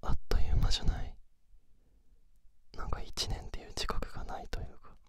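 A man doing casual, intimate pillow talk in a soft, breathy whisper, close to a binaural microphone. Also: brisk. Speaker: host of a pillow-talk audio series.

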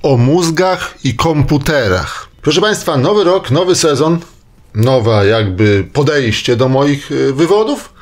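A man's voice: medium pitch, expressive, a little slow, slight background noise. Man giving a discursive spoken column. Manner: discursive, hedging, with tag questions. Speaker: science columnist on a radio show. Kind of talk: spoken popular-science essay, semi-improvised.

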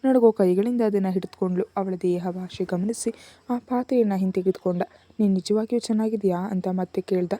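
A woman narrating a serialized romance novel in a steady, soft storytelling manner. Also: mid-range voice, a little fast. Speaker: audiobook narrator.

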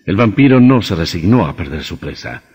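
An actor playing a grim, insistent vampire hunter who lectures sternly in an old radio drama. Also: male voice, deep voice, big pitch swings, fairly quick, darkish tone, slightly rough, full character voice. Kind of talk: vintage radio drama acting. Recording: muffled old radio recording with reverb.

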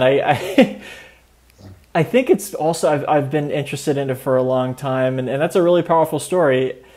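Brief: chatty male host in his thirties, slightly high voice, earbud mic on a call. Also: darkish tone. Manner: eager, chatty, many fillers. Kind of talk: casual interview talk. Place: indoor room. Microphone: wired earbuds on a video call.

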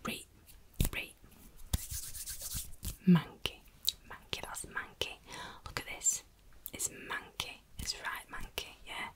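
A woman from Yorkshire with a Yorkshire accent, whispering softly and repeating dialect words over and over in an ASMR style. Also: takes it slowly, pauses often. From Yorkshire, England. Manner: soft repetitive whispering of single words.

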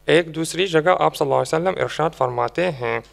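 A man preaching a sermon in a measured way, slowly drawing out the verses he recites. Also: on the high side, creaky. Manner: measured preaching, slow drawn-out Quran recitation.

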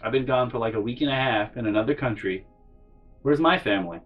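A man's voice: fast, highs cut off. Bitter young man telling a storytime. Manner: bitter and emotional, swearing, voice jumps high when upset. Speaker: channel host. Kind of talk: storytime monologue. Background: faint background music.

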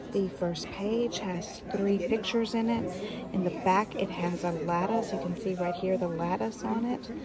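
A woman host casually walking through her scrapbook pages detail by detail, filmed on a handheld phone at a busy craft retreat in a large hall. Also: on the low side. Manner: chatty, friendly, walking through each detail. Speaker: paper craft channel host. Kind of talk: casual craft show-and-tell vlog. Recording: busy crowded hall chatter.

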